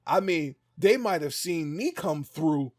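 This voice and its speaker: Higher-voiced man, hesitant casual chatter. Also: expressive, unhurried, darkish tone. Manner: hesitant, searching, repeats phrases. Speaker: podcast co-host. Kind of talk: casual chat, reminiscing.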